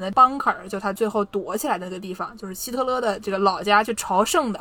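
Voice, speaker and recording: A woman talks in an animated tone with ordinary pitch variation. Background noise is noticeable. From northern Jiangsu (Subei). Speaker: comedy podcast co-host. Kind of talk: casual comedic crosstalk chat.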